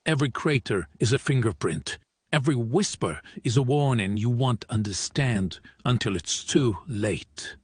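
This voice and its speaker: A man voicing an ominous narrator in a recorded dialogue line, with a husky tone and slow, eerie delivery. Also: medium pitch, lively intonation, no room sound. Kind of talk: scripted dialogue sample.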